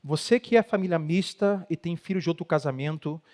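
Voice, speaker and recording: Brief: middle-aged Brazilian pastor, high-pitched, emphatic sermon delivery. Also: male voice, brisk, darkish tone. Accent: Brazilian Portuguese. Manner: emphatic preaching, acts out quoted spouses. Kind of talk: sermon talk on marriage.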